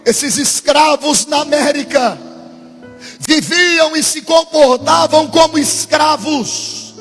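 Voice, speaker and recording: A Brazilian preacher with a very high, strained voice delivers a Pentecostal sermon in a big church. He shouts in a rising, sing-song cadence and calls on the crowd to answer. His pace is slow and drawn out, with soft music playing under him. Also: big-room sound. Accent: Brazilian Portuguese. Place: large church.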